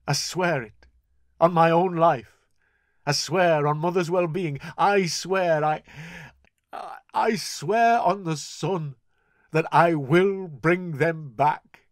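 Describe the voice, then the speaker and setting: An earnest young man, heavy with grief, pleads with his sister in a voice close to the reader's own, as a man plays him. His words come slow, even and unhurried, and the recording is dry, with no room sound. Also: a little high, dry recording, pitched above the performer's own voice. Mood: urgent. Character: young man, grieving elder brother, earnest.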